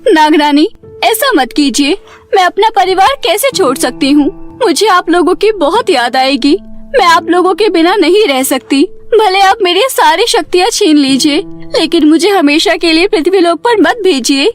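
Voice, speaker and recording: A woman playing a devoted serpent woman raising a child, earnest and emotional in an animated story. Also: very high-pitched, normal speed, soft background music. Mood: desperate, pleading.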